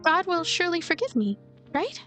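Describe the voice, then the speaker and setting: Casting: woman playing meek, easily led young girl for a story game, halting delivery, very high voice. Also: big pitch swings, a bit bright, soft background music, heavily acted. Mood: hesitant, guilty. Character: timid, dim, easily manipulated young girl, Clara.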